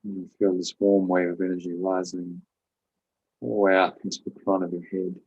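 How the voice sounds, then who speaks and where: A man leading a guided meditation as a spiritual teacher, giving calm, measured instructions with pauses. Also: low-pitched, husky, highs cut off.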